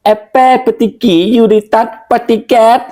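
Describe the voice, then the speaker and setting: A woman's voice: fairly high pitch, normal speed, warm tone, lightly acted. Woman playing a fed-up whiny village wife. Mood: complaining. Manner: whiny, chatty complaining, sweet-toned endings. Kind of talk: comedy sketch acting.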